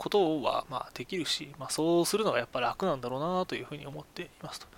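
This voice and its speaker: At a very fast pace, a man is talking. His pitch varies in an ordinary way. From Miyagi, Japan. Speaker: podcast host. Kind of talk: casual solo podcast monologue. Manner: hesitant with many fillers.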